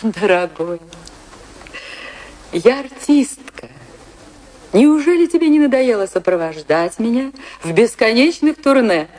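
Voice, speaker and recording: A woman's voice: on the high side, animated, darkish tone. An actress playing a romantic, anguished woman dancer who tells her tragic love story in a theatrical, emotive radio monologue. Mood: gently pleading. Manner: theatrical, wistful, emotive delivery with dramatic pauses. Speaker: actress narrating a radio play. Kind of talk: dramatic first-person radio play monologue. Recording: radio play with music behind.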